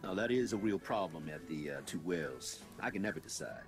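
A middle-aged small-town cop, chatty and a bit preachy, voice rising and falling a lot. soft music plays behind him in this game scene. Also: male voice, low voice, animated, fairly quick. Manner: friendly, gossipy, preachy. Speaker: police officer.

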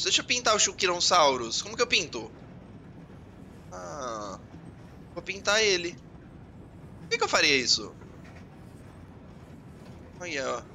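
A man with a Brazilian Portuguese accent giving casual let's-play commentary, excitable and joking, swearing and talking to himself as he plays. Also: high-pitched, a little hiss or hum. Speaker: gaming channel host.

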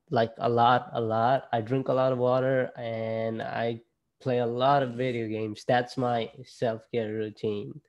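A young man from Nepal with a Nepali accent, presenting casually to students on a video call through a laptop mic, halting and restarting often. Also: mid-range voice, lo-fi sound. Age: young adult. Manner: halting, with frequent fillers and restarts. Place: indoor room at home. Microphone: laptop webcam on a video call.

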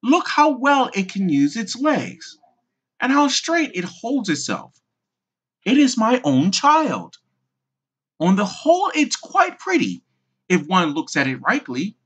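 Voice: medium pitch, wildly swooping pitch, slow pace, fairly bright tone, breathy edge, pitched above the performer's own voice, full character voice. A narrator voicing a tired, fussy, proud mother duck who chatters fondly and fretfully about her young in a storybook tale. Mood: proud, motherly.

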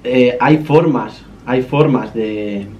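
A man in his twenties with an accent from Spain, talking casually in a halting, explanatory, businesslike way. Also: medium pitch. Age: 20s. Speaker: YouTuber making a prank call. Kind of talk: casual, hesitant conversation. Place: indoor gaming room at a desk. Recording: dull, distant room sound with noise.

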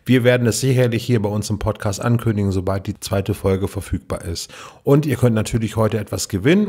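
Man, slightly low voice, podcast host, scripted announcement. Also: darkish tone.

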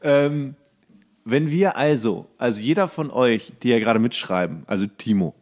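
A man with a medium-pitched voice chats casually as a podcast co-host. He rambles through his points in a jokey style, pitching things with mock seriousness. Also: expressive, moderate pace, a little mellow. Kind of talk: casual comedic banter.

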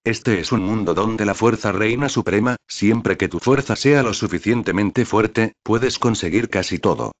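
A man voicing a mysterious man in black who speaks in a slow, measured, secretive way. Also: on the low side.

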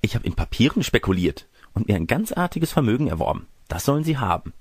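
Ein Mann spricht eine hochmütige, empörte alte adlige Großmutter in einem Märchen, würdevoll und protestierend. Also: male voice, on the low side, sing-song, quick pace, slightly rough, no echo, studio quality, pitched above the performer's own voice, exaggerated voice. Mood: bargaining. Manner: prim, dignified, protesting. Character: haughty, indignant old noble grandmother.

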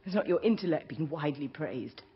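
A woman's voice: sits low, lively intonation, a little fast, highs cut off, soft background music. An actress playing a proud, wounded young noblewoman in a period film, with an English accent and an intense, articulate, accusing manner. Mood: challenging. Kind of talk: period film drama acting.

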